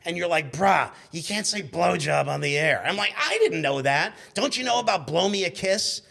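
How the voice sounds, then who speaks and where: Male radio-show guest, 50s, higher voice, animated and sweary casual storyteller who stumbles over his phrasing. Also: moderate pace, gravelly. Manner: animated, profane, stumbling as he tells stories.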